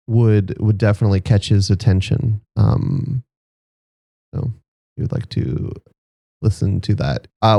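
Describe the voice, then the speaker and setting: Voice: low-pitched, mellow, no echo. Hesitant, thoughtful tabletop player, dry close-miked sound. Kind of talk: tabletop game play.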